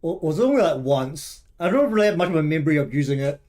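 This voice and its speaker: A man's voice: on the high side, sing-song, fast, darkish tone. A man giving casual let's-play commentary, chatty and joking, swearing now and then. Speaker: gaming video host.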